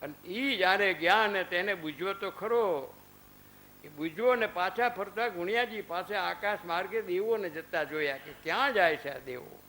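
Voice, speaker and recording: A high, pushed, bright voice at moderate pace belongs to a fifty-something man giving a religious discourse in an ashram hall. He narrates stories with dialogue and poses rhetorical questions, captured on a rough recording with slight background noise.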